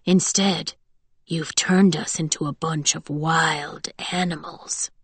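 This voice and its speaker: A woman narrator puts on a male wolf-soldier chief for an audiobook. The voice is low and unhurried. He is sardonic and defiant, with quiet threat in a dry recording. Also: steady tone, husky, dry recording, full character voice.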